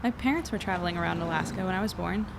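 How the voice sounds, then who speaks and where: A woman's voice: lowish voice, very fast, gravelly, background noise. An actress playing a caring, curious young woman chatting with friends in an audio drama, casual and a little hesitant. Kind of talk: acted dialogue in an audio drama podcast.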